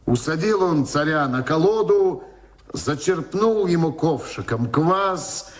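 A man's voice: a little high, lively intonation, slow pace. A man narrating a folk tale in theatrical, rhythmic verse as a radio play storyteller. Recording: roomy echo, loud music behind.

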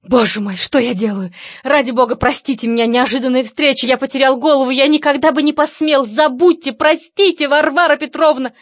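A woman voicing a nervous, lisping gentleman suitor who speaks in melodramatic, despairing exclamations for an audiobook. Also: mid-range voice, normal speed, husky, no room sound, natural voice. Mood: frantic. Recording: slightly dull dry recording.

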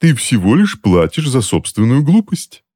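A man reading an audiobook and voicing a cold, sarcastic middle-aged aunt who speaks calmly and without sympathy. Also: medium pitch, no echo, clean studio sound, voice pushed up. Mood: cool, mocking. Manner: cool, mocking, unhurried.

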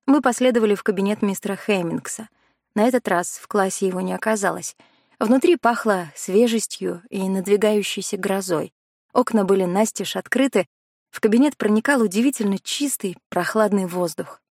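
A woman's voice: mid-range voice, moderate pace, a little mellow, no room sound, studio quality. A woman narrating a first-person novel as an audiobook.

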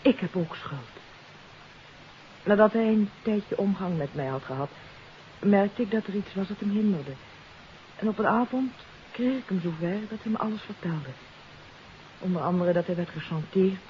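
An actress playing a troubled countess in a 1950s radio mystery, confessing earnestly and hesitantly. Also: female voice, medium pitch, lightly acted. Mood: earnest, pleading. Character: troubled countess confessing her part in a kidnapping. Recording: hissy, dull 1950s radio recording.

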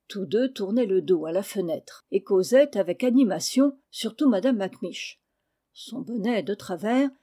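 A woman narrating a classic storybook in a measured reading voice. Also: mid-range voice, mellow. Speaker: audiobook narrator.

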